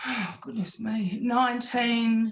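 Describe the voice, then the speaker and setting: A woman's high, bright, sharp voice with a strong Australian accent, at a very slow pace. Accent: strong Australian twang. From Western Australia, Geraldton. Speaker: local councillor, former seafarer. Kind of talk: interview. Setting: video call. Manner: chatty, rambling with fillers.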